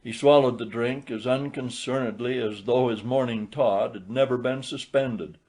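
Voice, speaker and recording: A man reads a literary short story aloud as an audiobook narrator. His voice sits at a medium pitch, and the delivery is scripted storytelling. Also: moderate pace, darkish tone, rough recording.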